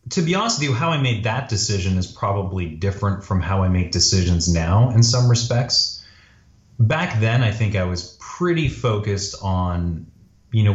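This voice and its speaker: A man from Canada answers as a podcast guest in a low voice. He talks casually and conversationally. The recording is roomy and a little dull. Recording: roomy, slightly dull audio.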